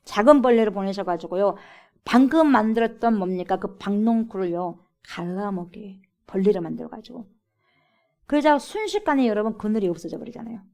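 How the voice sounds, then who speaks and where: A woman's voice: mid-range voice, animated, a little fast, a little mellow. Emphatic woman pastor preaching. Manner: emphatic, repeatedly addresses the congregation as 여러분. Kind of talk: sermon. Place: church sanctuary.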